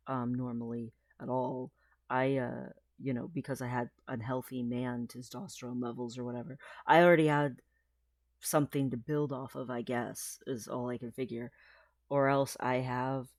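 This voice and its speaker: This vlogger, a trans man with a mid-range voice, chats his way through a casual video diary with no room sound. He rambles, leans on plenty of fillers, laughs frequently, and now and then his voice cracks.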